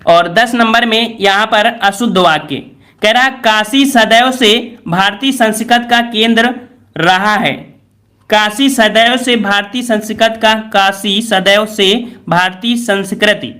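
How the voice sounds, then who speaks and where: A man's voice: high-pitched, fairly even intonation, slow, sharp tone. A man teaching Hindi grammar in an online exam class, often repeating each answer back as a question. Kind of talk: online class going over a model paper.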